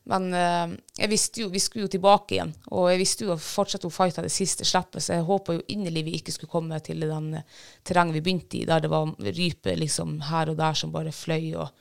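A woman's voice: lowish voice, flat delivery, gravelly, clear, resonant tone. A woman, a bird dog handler, casually retelling a field trial with many fillers and restarts. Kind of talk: casual storytelling.

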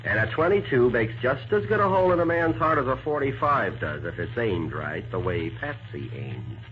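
A man's voice: mid-range voice, big pitch swings, normal speed, natural voice. An actor with an American accent playing an eager, wisecracking, loyal young man, a sidekick in a 1940s radio detective drama. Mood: tough warning. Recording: noisy muffled 1940s radio recording.

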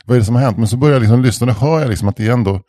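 A man's voice: mid-range voice, dark tone, dry recording, clean studio sound. A man on a podcast telling a long anecdote in a casual, rambling way, often restarting sentences and swearing casually. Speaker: podcast co-host.

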